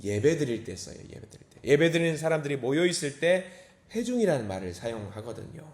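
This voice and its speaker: In a church sanctuary, a pastor preaches a dawn sermon with a slightly high, darkish voice that swings widely in pitch and moves a little fast. He is earnest, asks rhetorical questions, and acts out quoted prayers and a child's voice.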